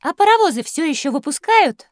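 A woman's voice: high voice, very animated, a little fast, no echo. A woman voicing a thoughtful young schoolgirl who asks careful questions in a studio children's audiobook. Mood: curious. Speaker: child character asking questions. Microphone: studio microphone.

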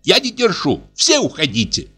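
A man's voice: high voice, wildly swooping pitch, moderate pace, pushed and bright, slightly rough, soft background music, pitched above the performer's own voice, heavily acted. A man voicing an old general's widow who whines and sulks, tearful and self-pitying. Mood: wounded. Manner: tearful, wheedling.

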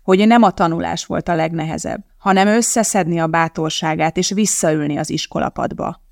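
A resolute woman chemist who hosts a television cooking show, voiced by an audiobook reader, speaks firmly to a studio crowd. Her delivery is raised and declaiming, with a gravelly edge. The recording is dry and close. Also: medium pitch, dry recording, lightly acted. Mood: rousing. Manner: firm, declaiming to a studio audience. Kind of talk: audiobook character voicing.

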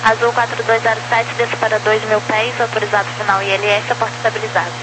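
A woman's voice: a little high, flat delivery, quick pace. A woman working as an approach controller, speaking in procedural phraseology over aviation radio. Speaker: approach air traffic controller. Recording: noisy, hissing aviation radio.

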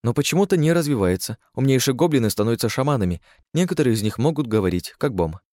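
A man's voice: medium pitch, expressive, fast talker, warm tone, dry recording, pitched above the performer's own voice, lightly acted. A raised, lighter voice for an eager young woman mage, as a male narrator puts her on, lecturing matter-of-factly. The recording is dry and close. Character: brisk, knowing young female mage.

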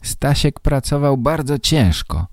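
A man voicing an upset, worried village woman in a slow read-aloud story for learners. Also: medium pitch, animated, dry recording, studio quality, pitched above the performer's own voice. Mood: fretful. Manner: fretful, plaintive.

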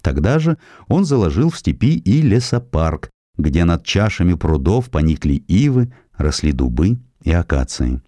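A man narrating a historical essay as an audiobook, in a measured, expressive storytelling manner. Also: low voice, no echo, studio quality.

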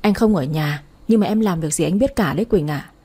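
Woman reader as an angry husband, scolding, lowered mellow voice. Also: a little fast, husky. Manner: scolding harshly. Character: angry, reproachful young husband.

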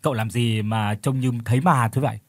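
A man's voice: mid-range voice, fairly quick, no echo, natural voice. A man playing a blunt, teasing company boss. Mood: brusque. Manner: blunt, offhand, mildly mocking. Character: brusque middle-aged male company director, teasing.

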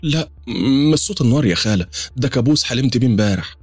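Anxious young Egyptian woman voiced by a man: hesitant, raised husky voice, quick. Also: medium pitch, expressive, no echo, faint music behind, voice pushed up. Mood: nervous. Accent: Egyptian Arabic. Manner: nervous, hesitant.

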